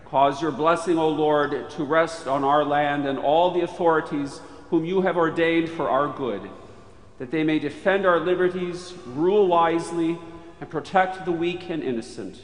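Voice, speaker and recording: Solemn man praying in echoey chapel. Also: fairly high pitch. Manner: solemn, measured phrasing. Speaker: prayer leader at chapel. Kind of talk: formal spoken liturgical prayer. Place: large chapel. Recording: echoey chapel with long reverb.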